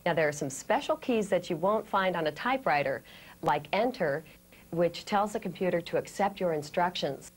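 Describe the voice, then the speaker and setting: American woman, 30s, instructional video presenter, lower register, slightly husky, methodical delivery. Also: darkish tone. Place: indoor studio set.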